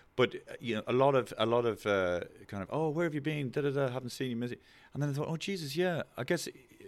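A man is speaking. He has a Dublin accent. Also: very clean recording, silent background. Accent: Irish (Dublin). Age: 50s. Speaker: comedian. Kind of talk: casual chat. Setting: studio.

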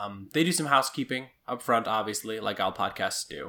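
Recorded very cleanly with a silent background, a man speaks at medium pitch in a bright, sharp tone. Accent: Midwestern American. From US Midwest. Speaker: podcast co-host. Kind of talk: casual chat.

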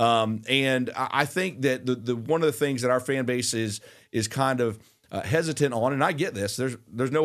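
In an unremarkable speaking voice with an American accent, a man talks at a fairly quick pace with ordinary pitch variation against a quiet background. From Florida. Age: 40s. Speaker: NIL collective director. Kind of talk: casual chat. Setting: studio.

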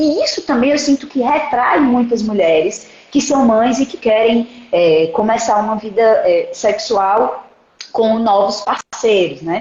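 Lively intonation carries speech at a very slow pace. Background noise is noticeable. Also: woman, fairly high pitch for a woman. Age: 40s. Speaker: journalist and podcast host. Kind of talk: casual chat.

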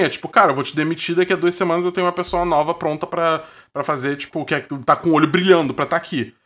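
A very fast, high-pitched male voice with a bright, sharp tone and hardly any pauses. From Rio de Janeiro, Brazil. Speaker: podcast host. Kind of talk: casual chat. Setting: video call.

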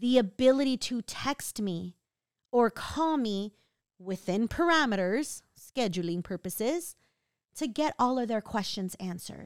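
In a very clean recording with a silent background and a dry, close sound with no echo, a woman with an American accent and a fairly high pitch speaks at a fairly slow pace in an animated tone with lively intonation. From California, Bay Area (Daly City). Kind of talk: solo podcast monologue.

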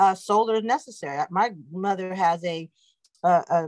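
In an American accent, a woman with an ordinary speaking voice talks at a medium pitch and a moderate pace, with ordinary pitch variation. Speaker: meeting participant. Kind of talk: casual chat. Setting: video call.

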